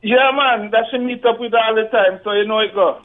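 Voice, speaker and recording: A man's voice: high-pitched, steady tone, fairly quick. A man calling into a radio show, eagerly cutting in with patois-heavy remarks. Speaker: caller. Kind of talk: phone-in chat. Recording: tinny phone line.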